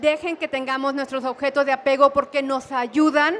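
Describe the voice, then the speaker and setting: Against noticeable background noise, a woman speaks with a high pitch. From Mexico. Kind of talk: lecture.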